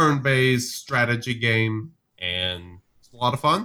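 On a very clean recording with a silent background, a man speaks at a medium pitch and a fairly slow pace. His tone is bright and sharp, with fairly even intonation. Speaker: gaming podcaster. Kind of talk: casual chat.

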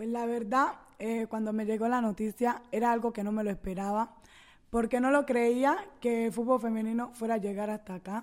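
She has a normal speaking voice, fairly high in pitch. The woman speaks at a moderate pace with fairly even intonation. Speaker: youth football team captain. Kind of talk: interview. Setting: video recorded on location in Doha.

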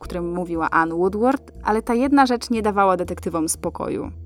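At a fairly quick pace, a woman talks in an unremarkable speaking voice of medium pitch with ordinary pitch variation. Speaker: true crime podcast host. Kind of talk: scripted narration.

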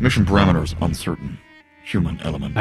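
A man puts on a character voice with a very deep, low pitch and a very fast pace. Faint music plays in the background. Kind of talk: robotic, mechanical. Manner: panicking.

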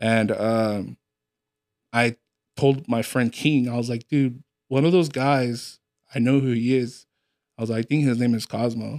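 Speaking with an American accent, a man keeps a fairly slow pace at medium pitch with fairly even intonation and long, frequent pauses, on a very clean, dry, close recording with no echo and a silent background. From California, US. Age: 30s. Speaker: rapper. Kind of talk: casual interview. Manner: soft-spoken.

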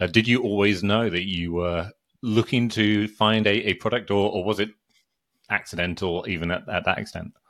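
A man's fairly low, fairly even voice at a moderate pace, a plain, everyday voice, on a very clean recording with a silent background. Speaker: podcast host. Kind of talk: casual interview.

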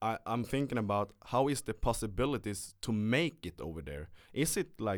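With a Swedish accent, a man speaks at a moderate pace and a medium pitch, his intonation lively and touched with vocal fry. The recording is very clean, with a silent background. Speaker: podcast host. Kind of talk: casual interview in English; podcast intro in Swedish. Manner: halting English.

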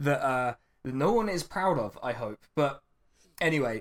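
A man with a southern English accent and a fairly high pitch speaks at a moderate pace. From England, Reading. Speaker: history podcast co-host. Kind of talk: casual chat. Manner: animated.

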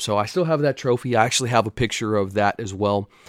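On a very clean recording with a silent background and a dry, close sound with no echo, a man speaks in an upbeat tone at a fairly low pitch. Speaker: podcast host. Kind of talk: casual solo monologue. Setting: home recording, rain in background. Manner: upbeat, casual.

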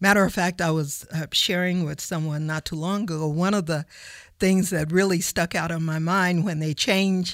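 In a very clean recording with a silent background, a woman with an American accent speaks at a fairly low pitch. It's an ordinary speaking voice with fairly even intonation. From Oklahoma City. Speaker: retired broadcast journalist. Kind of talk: interview. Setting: studio.

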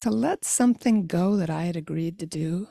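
Recorded very cleanly against a silent background, a woman with a dark, mellow tone, medium pitch and lively intonation sounds somewhat breathy, dry and close with no echo. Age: 60s. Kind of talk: reflective solo podcast monologue.

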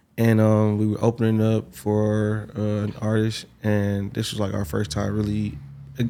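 Speaking with an American accent, a man delivers his words at a moderate pace in a dark, mellow tone, his intonation fairly even. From Milwaukee, Wisconsin (north side). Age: 20s. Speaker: rapper. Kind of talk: casual interview.

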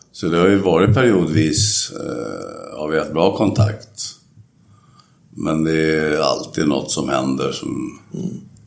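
A man speaks very slowly in a room with audible echo, and noticeable background noise can be heard. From Stockholm, Sweden. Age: 60s. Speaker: carpenter and biker club member. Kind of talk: interview, life story. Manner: halting.

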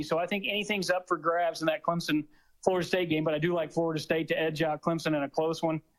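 A high-pitched man at a fairly quick pace on a very clean recording with a silent background. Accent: Arkansas. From Arkansas. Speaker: college football commentator. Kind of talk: casual sports chat. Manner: animated.

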